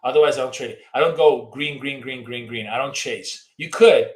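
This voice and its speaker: Hosting a long live trading stream, a man rambles casually through market commentary and viewer questions as his voice turns hoarse. He speaks a little fast at medium pitch, and the sound is reverberant.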